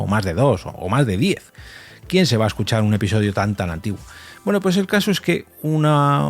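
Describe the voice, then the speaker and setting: A man's voice: medium pitch, a little mellow. A man from hosting a solo podcast in an informal, conversational, somewhat hesitant way that repeats words. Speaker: podcast host.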